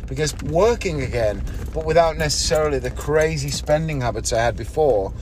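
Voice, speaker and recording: A man's voice: on the high side, animated, a little fast, darkish tone, slight background noise, low-quality recording. A man, talking casually and candidly on his solo podcast from inside a parked car, often correcting himself. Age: 30s. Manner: rambling, candid, self-correcting. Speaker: podcast host, magician.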